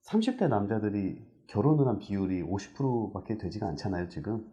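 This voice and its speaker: A man with a very dark, mellow voice chats casually on a talk show, offering his views tentatively. His pitch sits low but moves around expressively. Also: sing-song, brisk, muffled recording.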